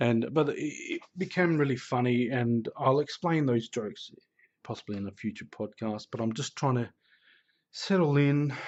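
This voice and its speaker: The speaker is a man with an Australian accent. He talks at a medium pitch. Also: ordinary pitch variation. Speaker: podcast host. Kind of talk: relaxation podcast ramble. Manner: slow, calm. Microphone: better audio quality.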